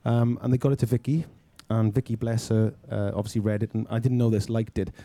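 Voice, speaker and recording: A man from Wales tells his story in a rush, with a very dark, mellow tone. He laughs often and acts out what people said. His voice sounds dry and close, with no room around it. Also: on the low side, flat delivery, brisk, dry recording. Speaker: film director guest. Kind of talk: anecdotal storytelling.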